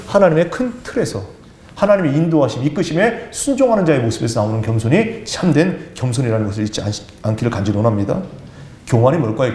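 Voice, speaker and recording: A man delivers a sermon as pastor, his voice a little high and rising and falling widely. He drops into quoted speakers now and then as he teaches. The room around him is echoey. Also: darkish tone. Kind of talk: sermon teaching church leaders. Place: church.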